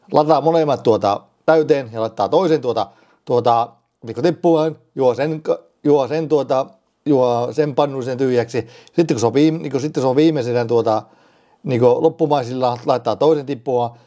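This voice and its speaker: Rambling man with a mellow voice. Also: medium pitch. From Finland. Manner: rambling, halting, restarts words, jokey. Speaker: vlogger. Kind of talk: rambling casual vlog.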